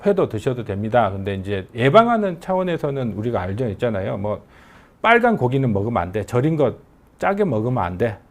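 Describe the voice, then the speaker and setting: Animated man lecturing in a regional dialect. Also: mid-range voice. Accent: regional Korean dialect. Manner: animated, conversational lecturing that acts out patients' questions. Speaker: oncology professor. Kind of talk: medical lecture to an audience.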